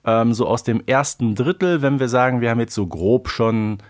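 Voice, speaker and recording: A man co-hosting a podcast in casual chat, jokey and hesitant, with many pauses and fillers. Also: mid-range voice. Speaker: podcast co-host.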